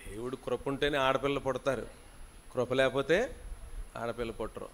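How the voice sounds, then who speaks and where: A man preaching as a pastor at a fasting prayer meeting. He scolds and teases his congregation, calls on them to answer aloud, and moves between soft asides and loud, rising rebukes. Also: medium pitch, fairly even intonation, slight background noise.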